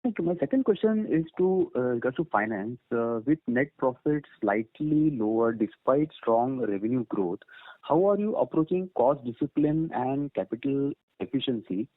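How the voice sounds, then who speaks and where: A man's voice: mid-range voice, lively intonation, moderate pace, no room sound. A man, an analyst, politely reading prepared questions on an earnings call. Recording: dry phone-line audio.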